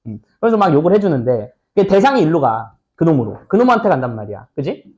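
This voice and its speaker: A man teaching English test passages in a chatty, informal lecture. His voice sits high and swings widely in pitch. He keeps checking in with his students and slips into little acted-out scenes to make a point. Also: big pitch swings, quick pace, darkish tone, highs cut off. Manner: chatty, asks students "right?" often, acts out little skits. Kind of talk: lecture explaining an exam passage.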